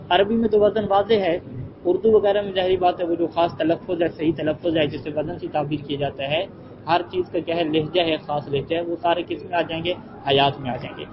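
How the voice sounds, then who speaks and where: A male teacher lecturing a class, explaining an Arabic text line by line, answering his own questions and reading the Arabic slowly. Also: high-pitched. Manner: asks rhetorical questions and answers them, reads Arabic phrases slowly. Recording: muffled with heavy background noise.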